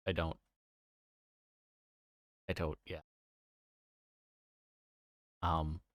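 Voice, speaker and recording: A man livestreaming, reading a visual novel aloud and chatting casually to viewers with halting, rambling asides. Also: rumbling low, level tone, dry recording, studio quality.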